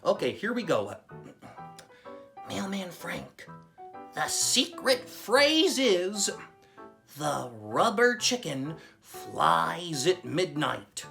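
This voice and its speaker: A man's voice: high-pitched, big pitch swings, extremely slow, gravelly, pauses often, bright, forceful tone, soft background music, exaggerated voice. A man voicing a friendly, hesitant puppet host with an encouraging gee-whiz manner in a comedy show. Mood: patient, upbeat.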